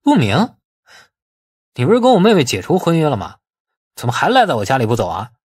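A man's voice: a little high, huge pitch swings, fairly quick, breathy edge, no echo, studio quality, exaggerated voice. A man voicing a sullen, resentful young heir in an audiobook, taunting and sarcastic with a drawl. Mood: scornful.

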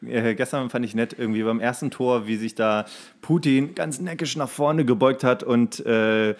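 A young man chats as a podcast co-host. His voice is of average male pitch. The delivery is loose and conversational, with a playful, joking manner. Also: moderate pace. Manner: playful, jokey. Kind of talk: casual chat.

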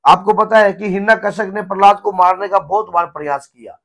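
A hoarse man in his thirties, a spiritual guru giving an earnest devotional teaching talk at home. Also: high voice, brisk, fairly bright tone. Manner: earnest, gesturing, repeats himself. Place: home room with a shrine, indoors.

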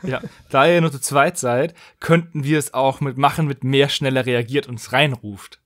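A man's voice: medium pitch, fairly even intonation, moderate pace, a bit bright, no room sound, studio quality. A man hosting a casual podcast quiz among friends, asking the questions as quizmaster.

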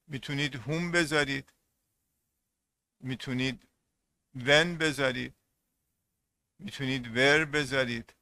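A man's voice: fairly high pitch, pushed and bright. A man teaching English grammar in an online class, speaking on English words, often repeating points and asking the class questions.

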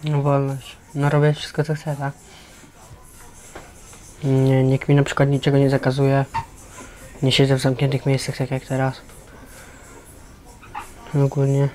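A man's voice: mid-range voice, monotone, unhurried, long pauses, mellow. A young man giving a terse, informal answer. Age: young adult. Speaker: resident of a youth educational centre.

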